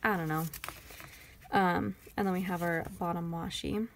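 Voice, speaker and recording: A woman's voice: fairly low pitch, fairly even intonation, unhurried, slight background noise. A woman with a Texan accent chatting casually through a planner sticker haul, rambling and thinking aloud. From Texas. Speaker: planner vlogger.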